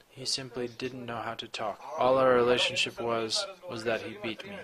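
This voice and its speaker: A man in his forties with a Croatian accent speaks slowly and plainly, telling his own story in short, candid sentences. He sits under a roof in an outdoor courtyard, picked up by a camera mic at a medium distance. A group of listeners murmurs behind him. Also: mid-range voice. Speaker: speaker giving a personal testimony. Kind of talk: personal testimony to a group.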